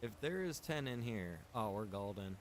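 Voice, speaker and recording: A man streaming a survival game, talking casually and thinking out loud with the odd chuckle as he plays. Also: on the low side, animated, normal speed, a little hiss or hum. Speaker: streamer and game server developer. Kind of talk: live-stream gameplay commentary.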